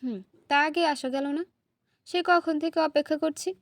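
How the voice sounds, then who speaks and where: A woman's voice: high voice, steady tone, normal speed, dry recording, clean studio sound, pitched above the performer's own voice. A woman voicing a childlike, sulky young wife who pouts and sulks playfully in a read-aloud story. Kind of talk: storybook reading.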